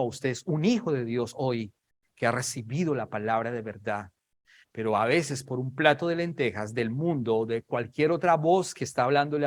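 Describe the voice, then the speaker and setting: A man preaching a sermon, dramatic and emphatic, repeating phrases for emphasis and acting out scenes. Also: medium pitch. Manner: dramatic, acts out Bible scenes in raised voices.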